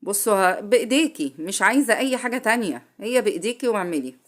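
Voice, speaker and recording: A woman's voice: medium pitch, lively intonation, fast. A woman with an Egyptian accent, who has a cold, chats through a home cooking tutorial. She talks straight to her viewers and often corrects herself midway. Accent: Egyptian Arabic. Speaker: home cook.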